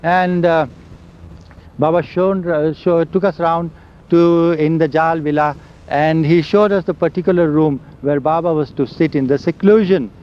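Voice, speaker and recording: An older man, slowly recalling old memories in an oral history interview, with a loud voice. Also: fairly high pitch, fairly even intonation. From India. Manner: slow, halting storytelling of memories. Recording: dull lo-fi recording with faint hiss and vehicle sounds.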